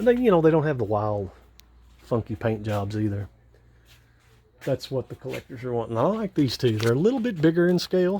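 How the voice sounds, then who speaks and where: Speaking at a fairly quick pace with long, frequent pauses, a man with a medium pitch, a dark, mellow tone and a somewhat breathy quality lets his pitch swing very widely. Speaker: hobby vlogger. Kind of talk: casual vlog walkthrough.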